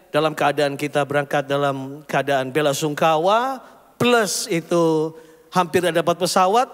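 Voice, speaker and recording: A middle-aged male pastor, telling stories animatedly in a sermon. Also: high-pitched. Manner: animated storytelling, often calling the congregation "saudara". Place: church hall. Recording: long hall reverb.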